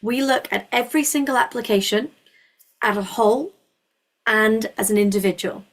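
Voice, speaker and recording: A woman's voice: fairly high pitch, normal speed. A woman with a Scottish accent hosting a university webinar, explaining things informally in a reassuring, encouraging way. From Scotland.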